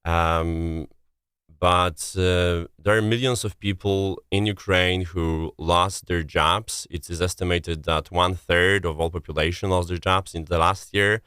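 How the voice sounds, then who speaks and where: A man from Poland with a thick Polish accent, answering interview questions carefully and haltingly as he searches for words. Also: sits low, fairly even intonation, sharp tone, clean tone, no echo, clean studio sound. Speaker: interview guest, relief coordinator.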